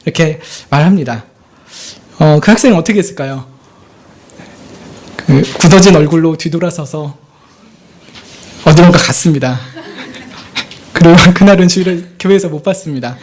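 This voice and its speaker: Speaking at a moderate pace with long pauses, this man's voice runs a little high. He's an assistant pastor giving a Sunday sermon, animatedly performing the quoted prayers and dialogue along the way.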